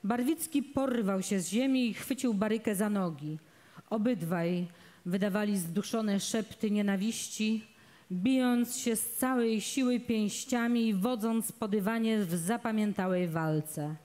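Slow, dark-voiced woman reading a novel. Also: medium pitch. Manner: measured, dramatic storytelling. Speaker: reader, actress. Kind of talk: literary reading aloud of a novel. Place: outdoors in a public garden.

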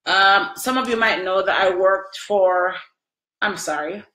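A woman's voice: medium pitch, measured pace, pushed and bright. A middle-aged woman chatting live on a webcam at home, sniffly from crying, emotional and talking to viewers by name. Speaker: livestream host answering viewers. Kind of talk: casual live video chat. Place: small room at home, indoors. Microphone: webcam at close range. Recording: echoey room.

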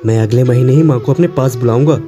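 A man's voice: medium pitch, quick pace, music in the background. A man narrating a cartoon moral story and voicing the husband, firm and reproachful in his lines.

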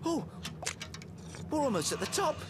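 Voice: high-pitched, sing-song, normal speed, background noise. An actor voicing a naive, earnest, courteous young bear in a children's cartoon. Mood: flustered. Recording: loud music behind the voice.

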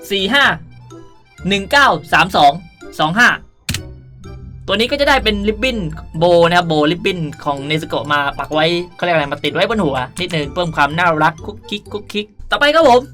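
Lively, bright-voiced woman, playful game host. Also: medium pitch, normal speed, soft background music. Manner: playful, chatty, polite. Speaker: gaming video host. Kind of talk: casual game tutorial commentary.

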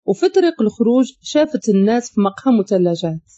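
A woman's voice: fairly high pitch, very animated, fast talker, mellow, no room sound, muffled recording. A woman with a Moroccan accent narrating a story.

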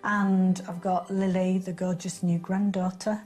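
A woman in her fifties from Leeds, reflective and soft-spoken in an interview at home, on a lapel mic. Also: lowish voice, little pitch movement, measured pace, soft background music. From Leeds, England. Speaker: house-hunting guest. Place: indoors at home, living room.

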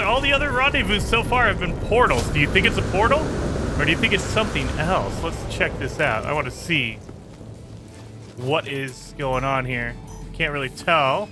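A man hosting a gaming channel, chatting casually through gameplay, his voice a bit raspy and hoarse today. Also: fairly high pitch, background noise. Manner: chatty, talks to viewers while playing. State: slightly hoarse.

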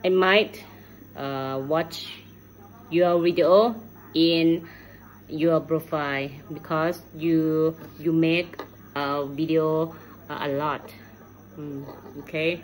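A middle-aged woman with a Thai accent records an informal video message on her phone at home. Her voice is low, and she speaks extremely slowly, hesitating as she hunts for words in learner's English. Clear background noise runs behind her. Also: steady tone, rough recording. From Thailand. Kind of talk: unscripted spoken video message. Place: room at home, indoors. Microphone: phone at arm's length.

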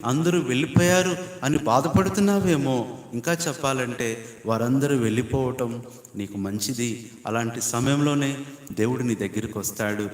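A man preaching a sermon as pastor, building emphatic repeated points and rising to loud appeals to his listeners. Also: mid-range voice, moderate pace. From India. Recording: echoey hall with long reverb.

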